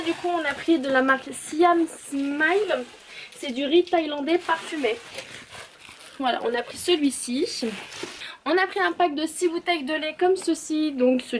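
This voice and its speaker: A woman talking casually through a haul vlog at home, chatty and halting with many fillers. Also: high-pitched, echoey room, slight background noise. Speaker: vlogger. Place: home kitchen and garage.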